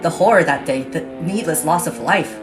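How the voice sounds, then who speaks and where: Woman playing earnest Japanese American man, low-pitched. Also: animated, normal speed, loud music behind the voice. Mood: earnest, eager. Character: earnest, pleading Japanese American male contestant. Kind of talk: satirical readers theater performance.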